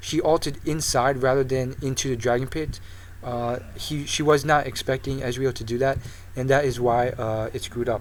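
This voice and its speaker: Moderately paced and medium in pitch, a man talks in a plain, everyday voice. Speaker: game commentator. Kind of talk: live game shoutcast commentary.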